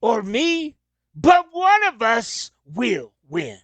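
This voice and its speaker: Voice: mid-range voice, huge pitch swings, drawn-out words, a bit bright, dry recording, heavily acted. A performer playing a vengeful, frustrated wrestler prince in a staged reading, declaring boasts and threats. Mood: determined.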